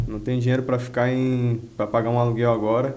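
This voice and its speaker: With audible room echo, a man speaks at a moderate pace in a medium pitch, his intonation monotone and flat. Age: 20s. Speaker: barber and business owner. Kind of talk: podcast interview, casual chat. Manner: informal, frequent filler 'cara'.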